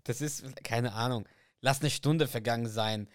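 A man's voice: mid-range voice, unhurried, dry recording, clean studio sound. A man co-hosting a casual podcast, retelling a sitcom episode and acting out the characters' lines in raised voices. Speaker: podcast co-host.

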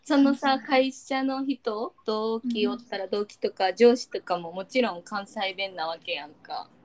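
A woman's voice: medium pitch, measured pace, slight background noise. A woman with a Kansai accent co-hosting a casual podcast chat, laughing often and teasing playfully. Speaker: podcast co-host.

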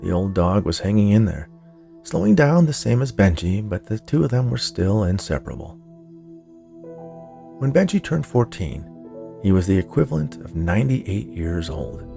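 A man's voice: lowish voice, very animated, normal speed, gravelly, mellow, faint music behind. A man narrating scripted fiction in an audiobook style, as the host of a story podcast.

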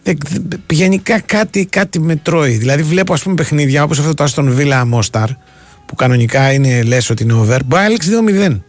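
A man co-hosting a sports radio show in a studio, talking casually and thinking aloud with hesitant pauses. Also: a little high, animated, no echo. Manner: thinking aloud, hesitant, many fillers and restarts. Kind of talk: casual chat.

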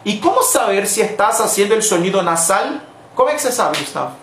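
A woman's voice: medium pitch, very animated, a little fast, roomy sound. A woman teaching Portuguese pronunciation in a live online lesson, explaining patiently and repeating the model words. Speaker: Portuguese teacher for Spanish speakers.

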